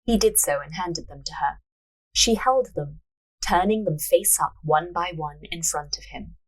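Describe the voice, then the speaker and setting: A woman's voice: fairly low pitch, a little slow, poor audio. A woman hosting a story podcast, moving between narration and casual banter. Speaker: podcast host, writer and narrator.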